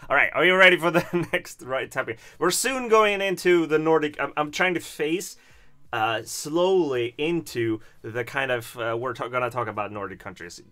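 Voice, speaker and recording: A man's voice: on the high side, normal speed, pushed and bright. A man, hosting a casual livestream chat and reading viewer comments in a chatty, self-deprecating way. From Sweden. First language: Swedish. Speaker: livestream host.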